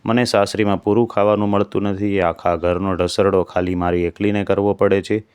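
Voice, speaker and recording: A man's voice: deep voice, little pitch movement, fairly quick, darkish tone, smooth, dry recording, close to an everyday voice. A man voicing a mistreated young daughter-in-law in a devotional story, speaking in a pleading, sorrowful way.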